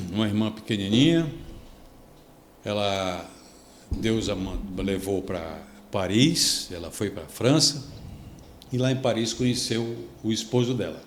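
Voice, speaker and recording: A Brazilian pastor with a fairly low voice tells stories on a devotional podcast, acting out the people he quotes. The room gives his voice a noticeable echo, with a faint hiss underneath. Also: slow, long pauses. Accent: Brazilian Portuguese. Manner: animated storytelling, acts out quoted speech.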